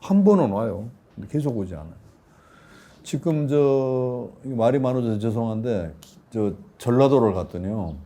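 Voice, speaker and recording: A man in his sixties, a professor being interviewed, telling lively anecdotes and acting out quotes with laughter. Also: mid-range voice, normal speed. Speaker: professor guest. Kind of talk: conversational interview storytelling.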